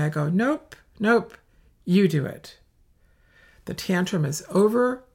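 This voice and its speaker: A woman with a somewhat breathy voice and lively intonation leaves long, frequent pauses. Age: 70s. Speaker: spiritual retreat teacher. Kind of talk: retreat talk.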